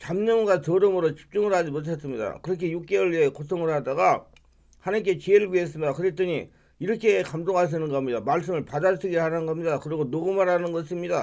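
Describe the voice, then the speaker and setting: A man's high voice, very fast, with ordinary pitch variation. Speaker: pastor. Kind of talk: sermon.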